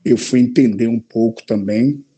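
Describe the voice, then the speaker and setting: Mellow-voiced man, hesitant. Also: medium pitch, moderate pace, husky, muffled recording. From Salvador, Bahia, Brazil. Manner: hesitant, with frequent "né?" and "certo?". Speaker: guest, real estate broker. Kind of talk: casual live-stream chat.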